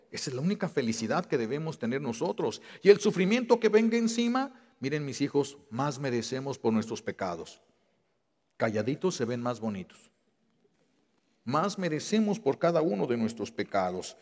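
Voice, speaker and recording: A male Catholic priest preaching a sermon, impassioned, repeating key phrases and drawing words out slowly for weight. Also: medium pitch, a little mellow, long reverb tail.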